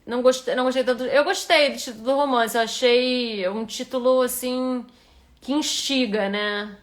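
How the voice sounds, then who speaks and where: Thinking aloud with frequent restarts, this woman critiques a reader's manuscript live as a writing instructor. She has a Rio de Janeiro Portuguese accent and a voice on the high side, with fairly even intonation at a moderate pace.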